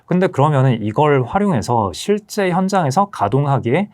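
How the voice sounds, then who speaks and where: A man who heads an asset management firm, explaining markets and technology as an interview guest in a measured, explanatory way. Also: on the high side, very animated, darkish tone.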